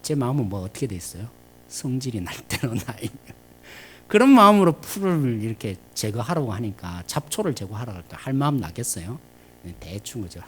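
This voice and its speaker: A Korean pastor, a man, preaching a midweek sermon in a church, animated and shifting between loud emphasis and quiet asides. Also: fairly low pitch, slight background noise. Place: church sanctuary.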